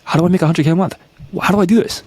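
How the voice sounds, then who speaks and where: A man in his twenties from New York, breaking down marketing tactics as a coach, energetic and full of rhetorical questions, tagging "right?" onto nearly every point. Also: high-pitched, very fast, breathy edge, dry recording. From New York, USA. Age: 20s. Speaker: YouTube business coach.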